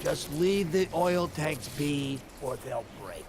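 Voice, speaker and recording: A man's voice: on the high side, lively intonation, takes it slowly. An actor playing a grumpy, put-upon male guard in a video game, irritable and complaining.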